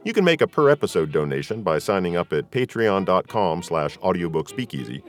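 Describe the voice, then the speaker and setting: A man's voice: deep voice, very animated, a little fast, soft background music. A man hosting a podcast in a casual, conversational style. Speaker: podcast host and audiobook narrator. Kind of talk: casual podcast interview and chat.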